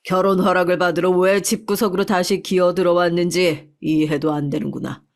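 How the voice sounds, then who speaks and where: A woman's voice: fairly low pitch, flat delivery, a little fast, close to an everyday voice. A woman voicing a stern parent who coldly scolds and disowns a grown daughter in a told story. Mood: contemptuous. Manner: icy, scornful scolding.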